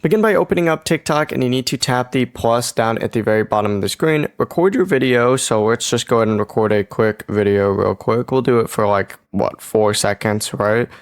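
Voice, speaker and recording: A man's voice: medium pitch, a little fast, few pauses, smooth. A man narrating a casual how-to tutorial in an informal, chatty, step-by-step way. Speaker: tutorial host.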